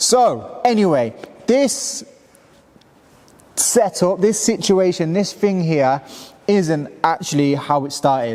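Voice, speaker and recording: Over noticeable background noise, a man speaks loudly at a high pitch with very wide pitch swings. His pace is very slow, with long, frequent pauses. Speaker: car enthusiast YouTuber. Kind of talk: casual vlog monologue to camera. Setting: indoors recording to camera. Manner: casual, hesitant with fillers.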